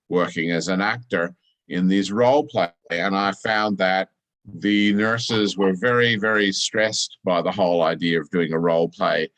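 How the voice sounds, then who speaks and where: A middle-aged man with an Australian accent, speaking on a video call and chatting in a relaxed, storytelling way about his work as a drama facilitator. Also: deep voice. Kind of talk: informal presentation on a video call.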